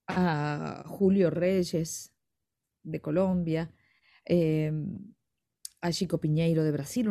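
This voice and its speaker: A middle-aged Argentine woman with an Argentine accent, a guest singer answering interview questions in a measured, explanatory way with soft fillers. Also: lowish voice. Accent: Argentine Spanish.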